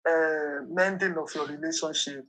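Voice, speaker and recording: A man asking measured, probing questions as an interviewer. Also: a little high, fairly even intonation, bright, forceful tone, a little hiss or hum.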